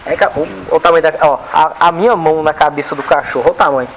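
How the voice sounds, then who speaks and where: A man from Brazil, chatting casually as he cleans up and bathes his dogs in an outdoor kennel yard. His voice sits a little high for a man, and he keeps breaking off to coax and scold the animals. The recording is a noisy outdoor phone capture. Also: fast. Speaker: dog owner vlogger. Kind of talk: casual running commentary while working.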